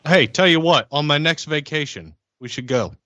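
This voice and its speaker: A man playing an affable vampire agent in a tabletop game, talking in a casual, halting, friendly way. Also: fairly high pitch, lively intonation, sharp tone, dry recording, lo-fi sound. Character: affable, hesitant male vampire agent on a mission. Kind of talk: in-character tabletop roleplay.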